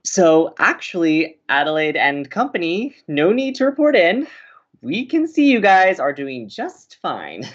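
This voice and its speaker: A woman's voice: lowish voice, very animated, unhurried, dull audio. A young woman acting as a breezy, romantic and theatrical college radio co-host in an audio comedy. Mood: breezy, amused. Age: young adult. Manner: playful, dramatic.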